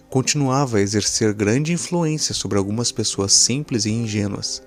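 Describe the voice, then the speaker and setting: Low-voiced Brazilian man narrating horror. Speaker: story narrator. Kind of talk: scripted horror story narration.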